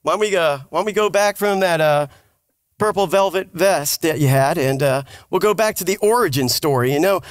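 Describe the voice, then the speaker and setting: A man's voice: on the high side, brisk, clean tone, no echo, studio quality. A man chatting informally and jokily as he co-hosts an interview podcast. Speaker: podcast co-host. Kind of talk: casual interview chat.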